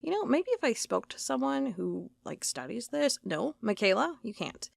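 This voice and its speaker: A woman's voice: fairly high pitch, very animated, normal speed, vocal fry, no room sound, studio quality, exaggerated voice. A woman playing a wry young office worker in an audio drama, talking casually and reading aloud in a conversational way. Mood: dry, casual.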